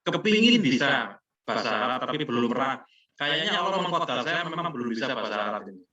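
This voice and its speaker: A middle-aged man from Malang with a Malang Javanese accent, giving a relaxed, chatty online lecture. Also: mid-range voice, fast. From Malang, East Java. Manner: relaxed, chatty, slangy explaining. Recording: echoey distant dull online call audio.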